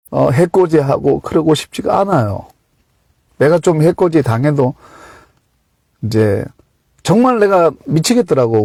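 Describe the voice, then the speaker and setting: A man's dark, mellow voice at a very slow pace, with lively intonation. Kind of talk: sermon-like monologue. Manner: halting, with fillers.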